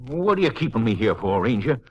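An actor playing a rattled middle-aged working-class father accused of a crime, protesting in rough, ungrammatical speech in a 1950s radio drama. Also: mid-range voice, sing-song, a little fast. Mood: indignant. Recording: muffled old radio recording, faint noise.

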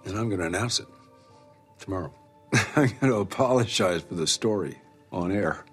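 Low-voiced, grave veteran news anchor. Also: male voice, animated, normal speed, breathy edge, faint music behind. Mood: resigned. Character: weary, resolute veteran male TV news anchor. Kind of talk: film drama dialogue.

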